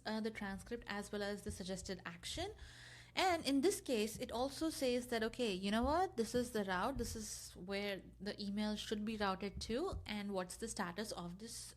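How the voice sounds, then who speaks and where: High-pitched woman presenting a software tutorial. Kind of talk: casual screencast tutorial walkthrough.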